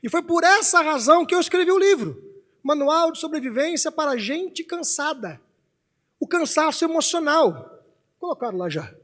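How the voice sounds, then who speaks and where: High-voiced man telling a heartfelt story. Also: big pitch swings, normal speed. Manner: heartfelt, swings from hushed to loud. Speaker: speaker at a Spiritist congress. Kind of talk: emotional personal storytelling lecture. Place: conference hall stage.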